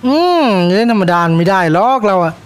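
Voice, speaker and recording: A man's voice: high-pitched, a little fast. A man giving playful, jokey commentary on his own racing game, chattering to himself and slipping into mock race-caller patter. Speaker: mobile racing game streamer. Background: game music.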